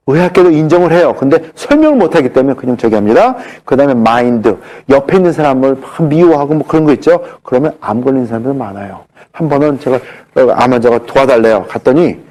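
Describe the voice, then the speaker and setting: Animated man giving a seminar talk. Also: mid-range voice. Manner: animated storytelling, acting out dialogue. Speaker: seminar speaker on cancer.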